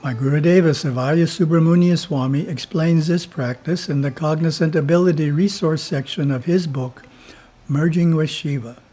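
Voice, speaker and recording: A man who is a spiritual teacher reads his editorial in a slow, measured way and chants Om between the passages. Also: a little high, warm tone.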